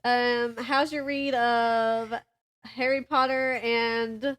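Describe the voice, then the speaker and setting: A woman's voice: a little high, little pitch movement, takes it slowly, fairly bright tone. A woman co-hosting a casual book podcast, agreeable and supportive, often prompting with questions. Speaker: podcast co-host.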